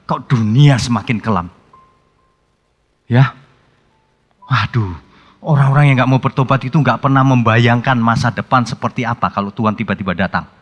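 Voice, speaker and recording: A male pastor preaching a sermon in a conversational, colloquial way, breaking into sudden animated outbursts. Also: mid-range voice, normal speed, pauses often. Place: church hall. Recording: long hall reverb with faint music.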